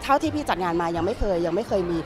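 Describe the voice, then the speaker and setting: A woman's voice: mid-range voice, lively intonation, over music. A middle-aged woman event organizer answering interview questions matter-of-factly, often restarting her words, into press mics in an indoor hall. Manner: fast, matter-of-fact, with repeated restarts. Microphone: several handheld press mics.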